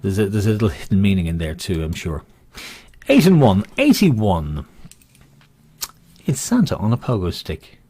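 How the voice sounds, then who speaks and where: Husky-voiced man calling bingo. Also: sits low, quick pace, dark tone, dry recording. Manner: jokey, chatty, rambling. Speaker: bingo caller and host. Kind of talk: bingo calling with rhyming nicknames, casual banter.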